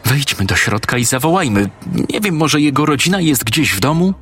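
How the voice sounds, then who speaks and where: A man's voice: on the high side, big pitch swings, a little fast, a bit bright, husky, heavily acted. A man playing an anxious, shaken friend. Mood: reasoning. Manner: anxious, questioning.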